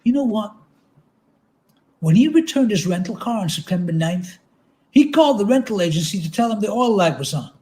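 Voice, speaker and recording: A state trooper, played by a man reading a novel aloud speaks in a high-pitched, folksy voice. He is chatty but quietly suspicious, pressing his points with insistent questions. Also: big pitch swings, fairly quick, pauses often. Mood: incredulous. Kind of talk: dramatic literary reading.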